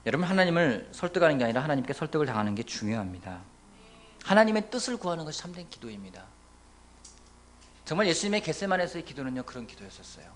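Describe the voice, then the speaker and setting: A male pastor preaching a sermon, swinging between loud exclamations and hushed near-whispers. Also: on the high side, big pitch swings, fast talker, a little hiss or hum. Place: church sanctuary.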